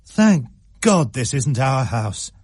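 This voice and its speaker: A man's voice: medium pitch, sing-song, takes it slowly, darkish tone, husky, no echo, clean studio sound, pitched above the performer's own voice, exaggerated voice. A man doing a grumbling, sardonic dad. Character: grumbling, sardonic father, middle-aged.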